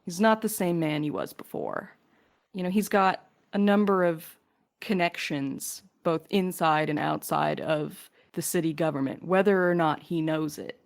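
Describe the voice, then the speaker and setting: Woman, slightly low voice, casual podcast chat, playful, joking, crew member. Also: lively intonation, measured pace, vocal fry. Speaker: podcast crew member fielding listener questions.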